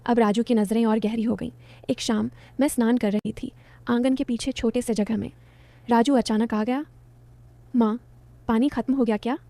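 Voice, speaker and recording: A woman's voice: on the high side, steady tone, moderate pace, warm tone, no echo. A woman narrating a story in the first person, in a confiding, dramatic way.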